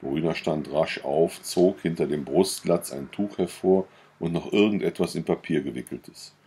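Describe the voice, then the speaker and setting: Male literary narrator, deep and husky, steady pace. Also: moderate pace. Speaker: audiobook reader.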